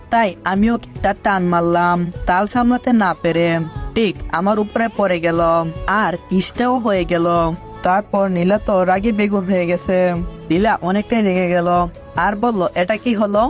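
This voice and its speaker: A man reading a first-person love story aloud in a steady storytelling manner. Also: high-pitched, normal speed, faint music behind.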